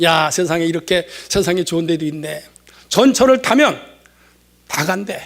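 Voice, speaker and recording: A high-pitched male voice moves at a fairly slow pace with lively intonation. Long pauses come often. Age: 60s. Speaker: pastor. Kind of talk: sermon. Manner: animated.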